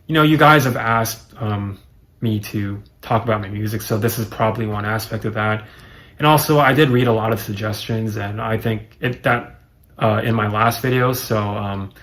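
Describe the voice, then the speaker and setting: A man in his late twenties with a raspy voice, rambling hesitantly and running himself down in a solo vlog, with many fillers. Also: lowish voice, a bit bright. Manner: hesitant, self-deprecating, full of fillers. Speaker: YouTuber. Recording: echoey room, faint music behind.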